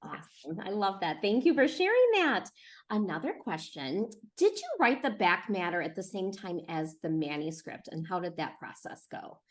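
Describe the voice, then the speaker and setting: A woman's voice: lowish voice, big pitch swings, normal speed. A woman hosting a casual question-and-answer session on a video call, explaining things in an encouraging way. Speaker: host, book publisher's representative. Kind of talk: hosting a casual online author Q&A.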